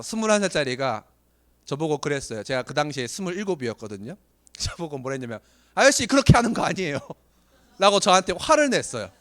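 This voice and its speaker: A man in his late twenties or thirties, giving a motivational business talk to trainees, telling stories animatedly with self-deprecating jokes, his voice getting hoarse. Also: a little high, a bit bright. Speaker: business seminar speaker.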